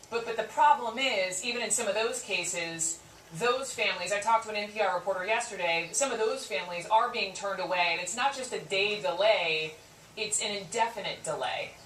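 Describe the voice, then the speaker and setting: A woman's voice: medium pitch, fairly bright tone. Emphatic female news interviewer, roomy sound. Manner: emphatic, pressing, repeats and underscores points. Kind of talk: live television news interview. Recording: roomy echo, distant mic, faint noise.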